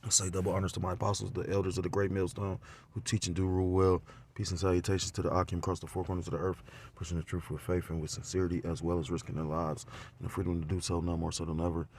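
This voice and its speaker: A man giving an informal religious lesson on a phone, talking loosely with many fillers and getting louder and more animated as he goes. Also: deep voice, fast, slight background noise. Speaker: religious teacher.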